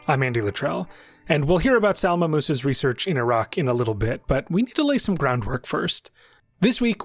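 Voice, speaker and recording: A man hosting a podcast, narrating a scripted story in a measured, clear way. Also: on the high side. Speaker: podcast host.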